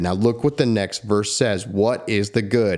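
A man talks in an animated tone on a very clean recording with a silent background. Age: 30s. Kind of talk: devotional teaching podcast. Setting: home video studio with lights.

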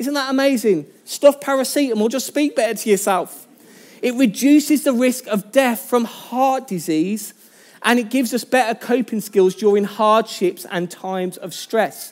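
At a moderate pace, the speaker talks in an animated tone with a Birmingham accent. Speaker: pastor. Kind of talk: sermon. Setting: church.

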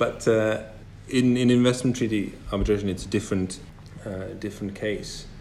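Audible room echo surrounds a man speaking at a moderate pace in a fairly low, monotone, flat voice. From Czech Republic, Prague. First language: Czech. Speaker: arbitration lawyer and podcast editor. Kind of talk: casual chat. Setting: video call.

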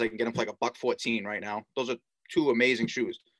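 A man with an American accent at medium pitch, very fast, with a bright, sharp tone in dry, close sound without echo over a quiet background. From Connecticut. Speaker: sneaker collector. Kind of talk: casual chat.

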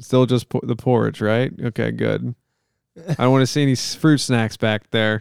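Recorded with a dry, close sound and no echo, a man with an unremarkable speaking voice talks at medium pitch and a moderate pace with fairly even intonation. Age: 30s. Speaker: podcast host and barber. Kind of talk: casual comedic chat.

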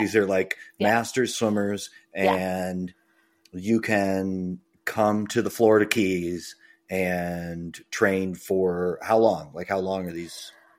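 A man with an American accent and an ordinary speaking voice speaks at a fairly low pitch with fairly even intonation, in a very clean recording with a silent background. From Massachusetts (Boston area). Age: 30s. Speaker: podcast host, swim coach. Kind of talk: casual interview chat.

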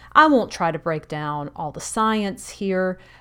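A woman with a Mississippi accent talks at a moderate pace and medium pitch, her intonation lively. The recording is very clean with a silent background. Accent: Southern US (Mississippi). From US South, Jackson, Mississippi. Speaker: pastor. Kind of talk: reading aloud of a devotional reflection.

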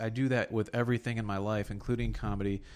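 An ordinary speaking voice with an American accent moves at a fairly quick pace with fairly even intonation on a very clean recording with a silent background. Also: man. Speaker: stand-up comedian, former college professor. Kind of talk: casual chat.

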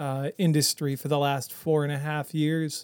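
In a very clean recording with a silent background and a dry, close sound with no echo, a man with an American accent and an ordinary speaking voice talks at a fairly slow pace and a fairly high pitch. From US Midwest, small town near Chicago. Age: 30s. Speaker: sneaker reseller. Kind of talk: casual chat.

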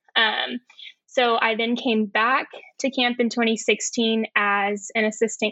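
In an American accent, a normal speaking voice carries fairly even intonation. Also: woman. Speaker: former camper and camp counselor. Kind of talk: interview.

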